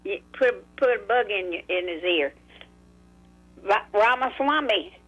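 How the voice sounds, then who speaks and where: A woman's voice: medium pitch, animated, measured pace, a bit bright, husky. A woman in her eighties calling in to a talk radio show, chatty and affectionate, often repeating words. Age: 80s. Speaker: caller. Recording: phone line.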